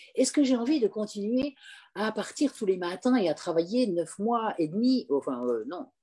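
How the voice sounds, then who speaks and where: Her voice at a medium pitch and dark, mellow in tone, a woman speaks with very wide pitch swings. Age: 60s. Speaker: aromatherapist. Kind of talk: interview.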